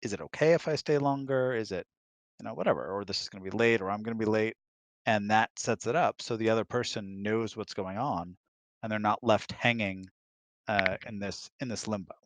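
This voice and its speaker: Man, casual explanatory guest, fairly low pitch, dry close recording. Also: fairly quick, no room sound. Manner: conversational, explanatory, checks with "right?". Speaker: guest, the host's husband. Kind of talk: casual chat, explaining opinions.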